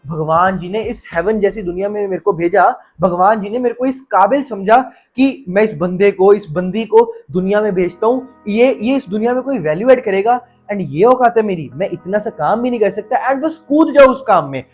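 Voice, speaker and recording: A young man giving energetic, emphatic motivational advice in a casual vlog, repeating words for stress and using slang. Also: high-pitched, moderate pace, few pauses, husky, soft background music. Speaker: self-improvement YouTuber.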